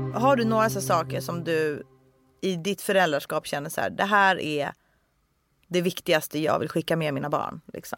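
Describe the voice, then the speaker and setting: A woman speaks at a moderate pace in a very deep, low pitch with lively intonation and vocal fry. The sound is dry and close, with no echo. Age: 40s. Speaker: podcast co-host and mother. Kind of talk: casual chat.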